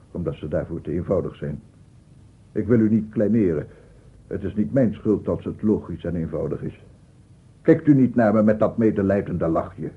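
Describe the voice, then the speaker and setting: Deep, husky, obsessive old scientist. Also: male voice. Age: 60s. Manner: pedantic, insistent, repeats himself. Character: aggrieved, unstable 67-year-old bachelor scientist, self-justifying and obsessive. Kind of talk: radio play monologue. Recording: muffled, phone-like old radio recording.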